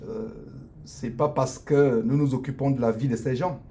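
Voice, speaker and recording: Answering viewers live from his law office at lunchtime, this middle-aged man, a lawyer who preaches online, delivers an earnest, improvised sermon. His mellow, dark voice holds a steady tone at medium pitch, though he keeps hesitating with stretched-out fillers and restarts. A faint hiss or hum sits in the recording.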